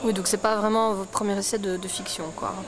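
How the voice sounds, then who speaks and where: A woman's voice: mid-range voice, level tone, a little fast. A woman asking casual interview questions in a tentative way, often trailing off. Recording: clear ambient noise behind the voice.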